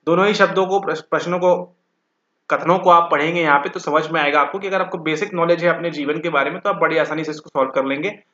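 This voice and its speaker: Man, teacher going through exam questions, bright forceful tone, roomy lo-fi recording. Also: a little high, fairly even intonation, fast. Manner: addresses students directly, repeats words for emphasis. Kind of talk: exam question walkthrough lecture. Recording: echoey room, dull lo-fi sound.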